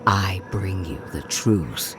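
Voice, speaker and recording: A man playing a stern, righteous, zealous commander with a deliberate, declamatory manner in a fantasy game. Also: low-pitched. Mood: zealous, hushed intensity. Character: stern, zealous male commander, crusading against corruption. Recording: game audio with music behind.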